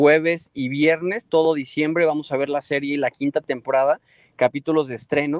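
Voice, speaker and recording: Heard in a dry, close recording with no echo, a man with an ordinary speaking voice talks at a fairly quick pace, fairly high in pitch, with fairly even intonation. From Mexico. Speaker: actor. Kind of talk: interview.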